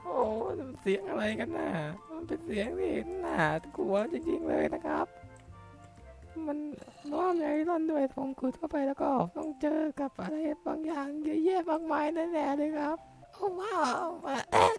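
A man putting on a squeaky, high voice as an excitable young male game hero, narrating his play and yelping and cursing when startled. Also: normal speed, vocal fry, music in the background, full character voice. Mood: excited. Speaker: game caster. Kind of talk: playing and narrating a block-building game in a put-on voice.

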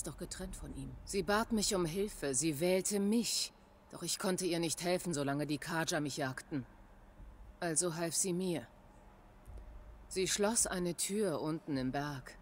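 A woman's voice: on the low side, slight background noise, lightly acted. A woman playing a devout middle-aged tribal shaman in a video game, speaking in grave, formal, dramatic phrases.

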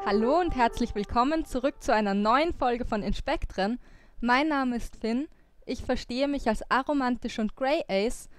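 A woman of twenty-seven from Austria, co-hosting a casual podcast and explaining terms calmly. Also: a little high, moderate pace, faint music behind. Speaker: podcast co-host.

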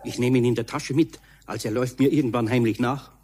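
An actor playing a patient, good-natured older craftsman with a Bavarian accent and a husky voice in a children's audio play. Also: medium pitch, fairly even intonation, quick pace, heavy background noise, natural voice. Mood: gently firm.

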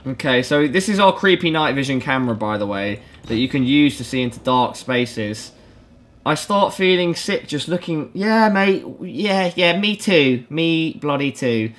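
Young man, scared horror game streamer, nervous repetition, jokey pleading, animated pitch, slower pace. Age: young adult. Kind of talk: scared, reactive gameplay commentary. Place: small home room.

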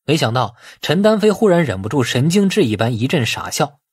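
A man reading a novel as dramatic scripted narration, in a husky voice. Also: medium pitch, very animated, a little fast, dry recording. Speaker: audiobook narrator.

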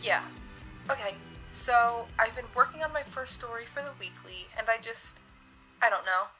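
A woman acts an eager young female cub reporter in a fiction podcast. Her voice is bright and fairly high. She comes across as chatty but self-conscious and hesitant, over soft background music. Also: moderate pace, low-quality recording. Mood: nervous. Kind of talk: audio drama dialogue.

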